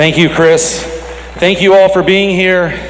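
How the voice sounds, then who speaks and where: Noticeable background noise and audible room echo around a man in an American accent. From Mississippi, US South. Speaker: friend giving eulogy. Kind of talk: eulogy speech.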